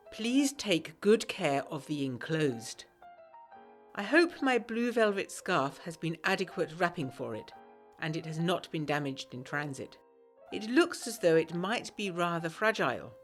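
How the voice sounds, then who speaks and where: A plucky, well-bred Englishwoman of the 1920s. Her fairly low voice moves with lively inflection as she primly narrates a letter in a gothic audio drama, faint music behind her.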